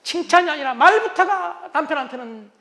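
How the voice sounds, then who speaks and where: A man giving a humorous lecture on couples' communication, animated and acting out what spouses say. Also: extremely high pitch, brisk. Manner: animated, acts out spouses' lines.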